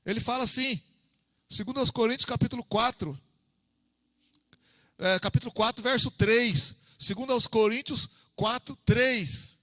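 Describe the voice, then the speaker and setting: A man's voice: extremely high pitch, normal speed, pushed and bright, no room sound, in a large hall. A man with a Brazilian Portuguese accent, teaching a Bible study as an informal sermon, talking conversationally, repeating himself and calling for amens. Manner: conversational, repeats himself, asks the listeners for "amém".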